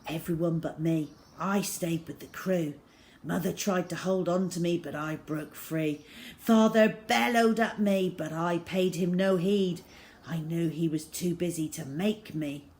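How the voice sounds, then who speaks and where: A woman storyteller reading a children's novel aloud in the first person, with measured, dramatic feeling. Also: fairly low pitch, a little mellow.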